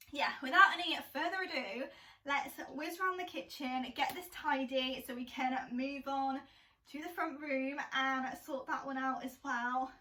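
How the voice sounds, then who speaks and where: A woman's voice: high-pitched, bright, forceful tone. A young British woman vlogging at home, talking to viewers in a chatty, self-deprecating way and laughing often. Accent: British English. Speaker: lifestyle vlogger. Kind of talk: casual chatty vlog. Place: at home indoors, kitchen. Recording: echoey room, voice a bit distant from the camera.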